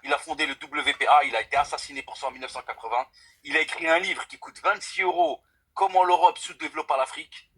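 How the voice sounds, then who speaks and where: A husky, bright-toned young man from France speaks on a live call. He argues earnestly and with emphasis, and he often repeats his points and swears by God to back them up. His voice sits a little high for a man. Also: steady tone, fast, poor audio. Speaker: caller on a live stream. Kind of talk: casual debate call.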